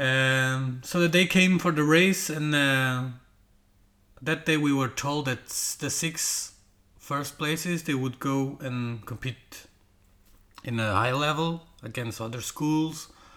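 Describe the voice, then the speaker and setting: In a very clean recording with a silent background, a man with a fairly high pitch and a bright, sharp tone speaks very slowly, with long, frequent pauses and ordinary pitch variation. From Portugal. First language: Portuguese. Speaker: amateur running podcaster. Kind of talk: casual monologue, partly reading blog posts. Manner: halting, many fillers and repetitions.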